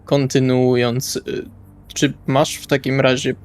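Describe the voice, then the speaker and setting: A man's voice: medium pitch, flat delivery, measured pace, smooth. A man playing a tabletop role-playing game, improvising dialogue in a casual, wry, colloquial way. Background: music.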